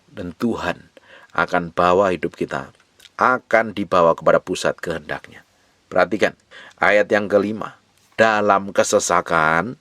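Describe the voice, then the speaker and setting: A man a slight touch preaches a sermon, driving each point home by repeating it and breaking into sudden loud rises. His voice sits low. It is recorded close and dry, no room sound. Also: no echo. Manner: emphatic, repetitive exhortation with sudden rises. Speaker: pastor.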